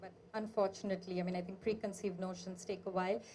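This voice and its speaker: A woman moderating a book launch, retelling the author's story in a brisk way with fillers. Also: medium pitch, little pitch movement, a little mellow, a little hiss or hum. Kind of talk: summarizing the book for an audience.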